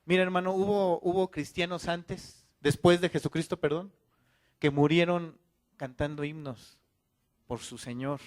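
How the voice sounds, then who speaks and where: Man preaching, fairly high voice, impassioned, rhetorical questions, acts out quoted churchgoers. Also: fairly even intonation, a little slow. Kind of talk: sermon.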